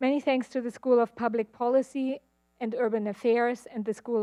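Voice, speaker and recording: A woman's fairly high voice in a German accent, dark and mellow in tone, with monotone, flat intonation at a moderate pace, dry and close with no echo, over a quiet background. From Germany. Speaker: university administrator and historian. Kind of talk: formal event introduction. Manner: formal.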